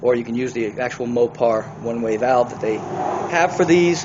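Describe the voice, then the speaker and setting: Speaking at a moderate pace, a man is heard with noticeable noise behind him. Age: 60s. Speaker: auto mechanic and restorer. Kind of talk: tutorial. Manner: casual, conversational.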